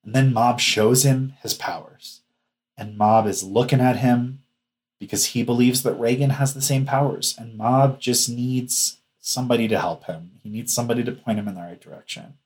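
A man co-hosting a casual podcast, retelling anime scenes in a lively, laughing way. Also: medium pitch, moderate pace. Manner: animated storyteller, laughs easily. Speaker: podcast co-host. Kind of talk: casual anime review chat.

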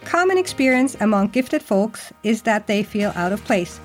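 A woman's voice: a little high, very animated, normal speed, soft background music. A woman hosting a podcast in a bubbly, talkative way, introducing her show and her guest. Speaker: podcast host and coach.

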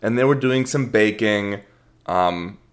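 A man's voice: lowish voice, slow. Young guy rambling thru a story on his podcast, swears a bunch, laughs at himself. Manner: rambling, self-deprecating, swears casually. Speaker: podcast host. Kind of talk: casual storytelling monologue.

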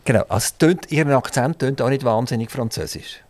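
A man's voice: medium pitch, a little fast, darkish tone. A man with a Swiss German accent hosting a radio interview, chatty and jokey, firing off follow-up questions. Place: radio studio.

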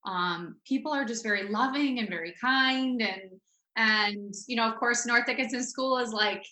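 A woman's voice: fairly high pitch, normal speed, pushed and bright, reverberant. A woman from Michigan's Upper Peninsula, a podcast guest, speaking cheerfully and laughing between phrases. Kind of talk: casual interview.

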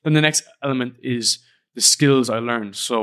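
A man's voice: medium pitch, normal speed, a bit bright, clean tone. A young man with an Irish accent, hosting his own podcast and reflecting in a casual, earnest way. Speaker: podcast host. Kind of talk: solo podcast monologue. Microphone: studio podcast microphone.

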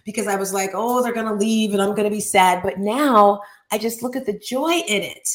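A woman hosting a motivational online talk show in a chatty, animated, exclamatory and playful way. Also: mid-range voice, brisk. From Caribbean.

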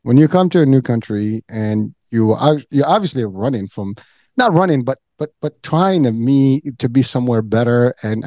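A man's voice: mid-range voice, mellow, dry recording. A man from Morocco hosting a podcast, talking earnestly in a loose way, repeating words and saying "you know" a lot. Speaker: podcast host. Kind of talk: casual interview talk.

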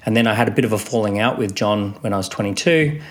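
A man's voice: on the low side, fast talker. A man, answering conversationally as an entrepreneur guest in an interview. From Australia.

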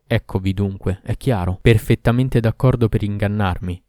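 A man voicing a cruel, furious male demon who shouts accusations and orders in a storybook reading. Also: fairly low pitch, a little fast, no echo, studio quality, close to an everyday voice. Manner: loud, commanding, accusing.

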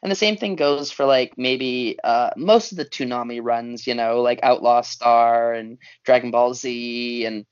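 A man chats in a relaxed, conversational way and leans on fillers. His pitch sits in the middle. The sound is dry and a little dull, with no room around it. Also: measured pace, hardly any pauses, smooth, no room sound. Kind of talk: casual chat.

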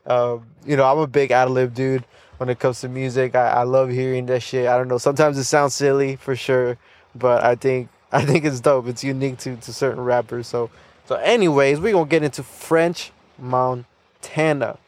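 A man's voice: medium pitch, steady tone, normal speed, darkish tone. A young man hosting a casual solo podcast, loose and rambling with plenty of fillers, restarts and small laughs. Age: young adult. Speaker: podcast host.

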